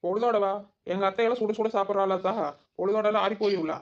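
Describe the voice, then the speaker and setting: Woman voicing a teasing village woman for a cartoon, quick, lo-fi. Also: medium pitch, fairly even intonation. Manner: teasing, joking banter. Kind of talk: cartoon voice acting.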